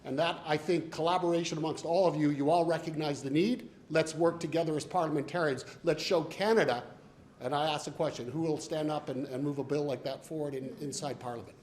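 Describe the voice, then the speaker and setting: A man putting a long, speech-like question at a press conference, earnest and rhetorical, with deliberate phrasing. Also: a little high, steady tone, darkish tone, a little hiss or hum.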